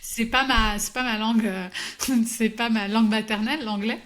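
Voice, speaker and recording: A woman's voice: fairly high pitch, steady tone, moderate pace, a bit bright. Hesitant woman guest telling a story. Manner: hesitant, many fillers and restarts, reflective storytelling. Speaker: executive coach, podcast guest. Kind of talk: conversational interview answers.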